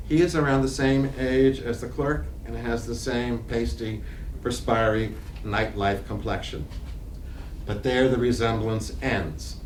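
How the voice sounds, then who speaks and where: A man reading stage directions aloud as narrator at a live play reading, in a measured, literary way. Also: medium pitch. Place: library reading room. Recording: echoey room, distant mic, faint noise.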